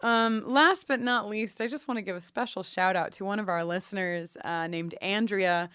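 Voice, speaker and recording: Smooth-voiced, effusive woman podcaster. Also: mid-range voice, normal speed, fairly bright tone, no room sound, clean studio sound. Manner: effusive, playfully repeats phrases. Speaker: podcast co-host. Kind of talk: casual podcast chat with announcements.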